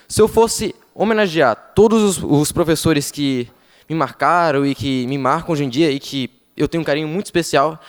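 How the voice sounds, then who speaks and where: A young male councillor reading a formal tribute speech with a Brazilian Portuguese accent, careful and measured, with a few pauses. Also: fairly high pitch, clear, resonant tone. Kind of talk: formal speech read aloud. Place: council chamber. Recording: long reverb of a council chamber.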